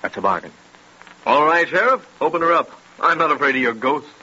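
A man's voice: a little high, lively intonation, fairly quick, sharp tone, dull audio. A man playing a pompous, scornful plantation manager in a 1930s radio drama. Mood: scoffing, cocky. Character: haughty, scoffing plantation manager, brash man. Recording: noisy, band-limited 1930s radio recording.

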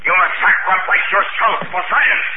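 A man's voice: sits high, normal speed, natural voice. An actor playing an arrogant, scheming male scientist in a 1950s radio drama, speaking haughtily. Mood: haughty. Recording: tinny, very hissy old radio recording.

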